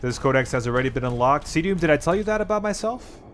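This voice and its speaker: A man's voice: fairly high pitch, lively intonation, fast talker, faint music behind. A young man with an American-influenced English accent, half French and half Danish, chatting casually with his live chat while he plays, rambling and joking. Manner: rambling, restarts words, playful banter. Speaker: streamer.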